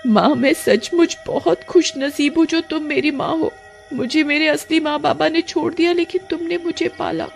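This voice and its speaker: A woman's voice: sits high, normal speed, vocal fry, faint music behind, pitched above the performer's own voice. A woman voicing an earnest young girl raised by a witch in a cartoon story, with a pleading, distressed delivery. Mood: emotional.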